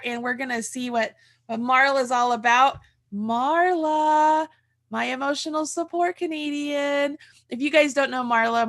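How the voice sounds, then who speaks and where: Chatty, higher-pitched woman with a creaky edge. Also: sharp tone. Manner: chatty, rambling, thinking aloud. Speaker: host of a crochet tutorial livestream. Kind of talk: casual livestream chat and instruction. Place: room at home. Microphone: video call from a desk.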